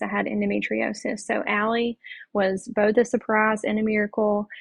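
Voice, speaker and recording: Speaking in a slight Georgia accent, a woman talks at a fairly slow pace in a medium-pitched voice with monotone, flat intonation. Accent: slight Southern (Georgia). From US South, West Georgia. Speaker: bereaved mother. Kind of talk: interview testimony.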